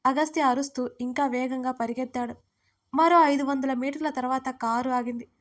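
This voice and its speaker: A woman tells a dramatic audio story in a high voice. She reads the characters' dialogue without changing her voice much and keeps an even storytelling delivery. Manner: reads all characters' lines with little change of voice. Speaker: narrator. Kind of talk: storytelling narration.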